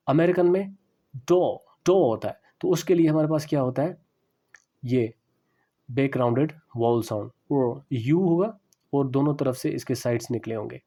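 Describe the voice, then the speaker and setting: A man giving a classroom lecture on English pronunciation, explaining slowly and repeating the example words. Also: on the high side, mellow.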